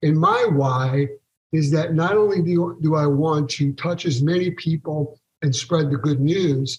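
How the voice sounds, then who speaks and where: A man with a plain, everyday voice speaks at a fairly slow pace. His pitch is fairly high, with ordinary pitch variation. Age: 60s. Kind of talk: podcast interview testimony.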